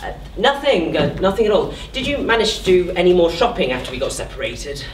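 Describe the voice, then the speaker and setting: Woman as lovestruck comic servant for stage panto: playful, exclamatory, very lively delivery, distant roomy theatre recording. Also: fairly low pitch, fairly quick, slight background noise. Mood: smitten. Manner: exclamatory, playful, coaxing the crowd. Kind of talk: live amateur pantomime stage acting, addressing the audience. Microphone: distant camera.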